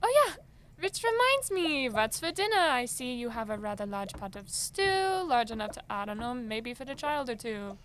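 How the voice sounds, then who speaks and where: A woman's voice: a little high, very animated, normal speed, fairly bright tone, a little hiss or hum. A woman playing a naive, chatty, polite girl in a comic radio play, casual and wide-eyed. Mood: curious, chatty. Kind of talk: comedic audio drama acting.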